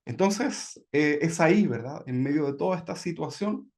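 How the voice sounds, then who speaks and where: A man's voice: on the high side, lively intonation, normal speed, a little mellow. A man from Chile sharing his personal testimony in a conversational way, often checking in with tag questions. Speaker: church member giving testimony.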